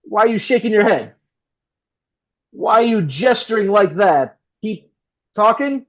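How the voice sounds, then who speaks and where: A high, swooping voice for a 1960s radio host, played by a male actor, full of showy, affable patter with a jerkish edge underneath. The sound is slightly dull and lo-fi. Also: animated, unhurried. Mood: crude, flustered. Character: slick, affable 1960s radio host, a crude jerk off air. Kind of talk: 1960s radio announcer acting.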